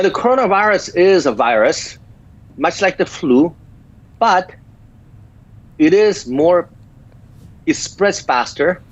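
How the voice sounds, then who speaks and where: A middle-pitched man in his fifties with a light Korean accent, explaining medical matters in a measured way, often pausing on "uh" between phrases. The audio is a bit dull and lo-fi. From South Korea. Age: 50s. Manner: explanatory, many hesitant uh fillers. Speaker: guest physician. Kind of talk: interview answers.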